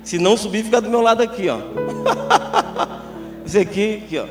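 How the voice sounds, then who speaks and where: High-voiced joking pastor. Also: male voice, moderate pace. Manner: chatty and joking, many tag questions. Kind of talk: sermon at a youth congress. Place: church congress hall. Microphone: handheld microphone. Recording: reverberant hall with background music.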